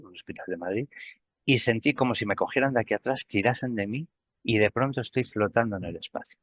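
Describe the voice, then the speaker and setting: A middle-aged man with a Spain Spanish accent tells his story in an interview, with a fairly low voice. He acts out the remembered lines as he goes. The sound is dry and a little muffled. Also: fairly bright tone, no room sound. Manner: vivid retelling that acts out remembered dialogue. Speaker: interview guest.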